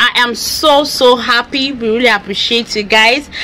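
A woman's raised, projected voice at a very slow pace. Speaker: channel host. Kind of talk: casual vlog chat. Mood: cheerful, grateful. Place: street.

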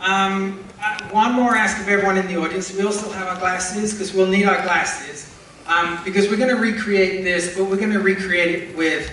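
A man projects his voice at a moderate pace, keeping his intonation fairly even. The room echo is audible, and there is light background noise. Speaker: festival programmer. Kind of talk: stage introduction. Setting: stage with audience. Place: hall.

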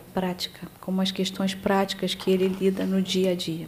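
A soft-spoken, somewhat breathy woman of medium pitch with a dark, mellow tone, over light background noise. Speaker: appellate judge. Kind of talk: public hearing testimony. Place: meeting room. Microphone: handheld.

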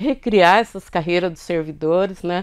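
A woman's voice, with ordinary pitch variation, comes through over a quiet background. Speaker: retired teacher and union candidate. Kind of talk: interview. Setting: studio. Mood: earnest, determined. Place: studio.

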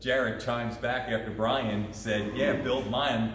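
There is audible room echo and light background noise. A man speaks at a fairly low pitch with fairly even intonation. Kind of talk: interview answer. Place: shop. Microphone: camera far.

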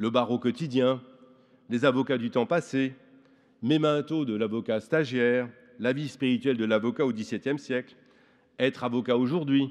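Against a quiet background, a man talks fairly slowly at a medium pitch, with fairly even intonation and long, frequent pauses. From France, Lorraine; France. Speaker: law professor and mayor, new academician; law professor, mayor. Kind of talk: reading aloud a prepared tribute. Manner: formal. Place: hall. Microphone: podium.

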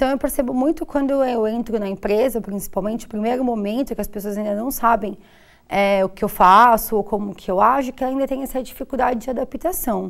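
A woman talks in an ordinary speaking voice at a fairly high pitch and a fairly quick pace. Her pitch variation is ordinary, and the background is quiet. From Sorocaba, São Paulo state, Brazil; São Paulo state, Brazil. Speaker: visually impaired university staff member; interview guest. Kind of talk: studio interview. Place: studio. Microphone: lapel.

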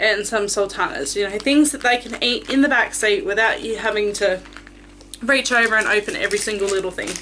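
Noticeable background noise runs under the clip. A woman is the one talking. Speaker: parent vlogger. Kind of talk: casual vlog tips. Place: home room. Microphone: phone near.

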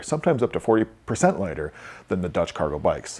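This is a man's voice. He speaks at a very fast pace. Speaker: presenter. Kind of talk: product presentation. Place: studio.

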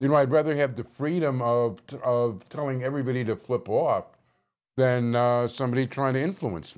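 The pace is fairly quick, with ordinary pitch variation. It's a man, heard against a quiet background. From Chicago area. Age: 60s. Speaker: community TV show host. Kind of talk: interview. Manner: conversational, uses many fillers. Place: studio. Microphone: lapel.

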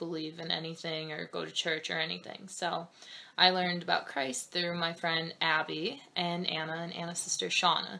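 A woman's fairly low voice holds a monotone, flat intonation at a moderate pace. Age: 20s. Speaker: YouTuber. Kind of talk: testimony. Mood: calm, earnest. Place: home room. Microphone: webcam.

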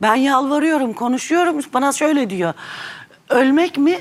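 A woman speaks in a high pitch. Her intonation is lively. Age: 50s. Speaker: mother searching for missing son; guest. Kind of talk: emotional testimony on TV talk show. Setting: studio. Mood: sad, pleading. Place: studio.

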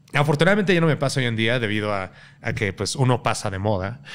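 A man speaks at a very fast pace. His pitch is medium and his intonation lively. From Tuxtla Gutiérrez, Chiapas, Mexico; Chiapas, Mexico. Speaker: content creator. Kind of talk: casual interview chat; interview answer. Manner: casual, slangy, halting. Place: studio. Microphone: studio mic.

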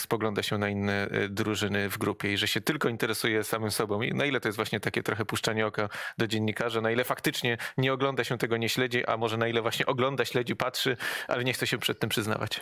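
Against a quiet background, a man with a Polish accent talks at a very fast pace. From Poland. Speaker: sports show host. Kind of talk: casual chat. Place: studio. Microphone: lapel.

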